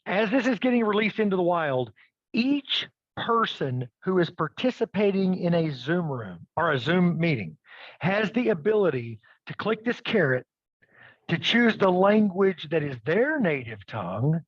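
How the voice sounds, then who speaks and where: A man's voice: sits high, sing-song, unhurried, no room sound, dull audio. A man presenting a live webinar demo, upbeat and checking in with the audience as he goes. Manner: upbeat, addresses audience with "okay?" and "right?".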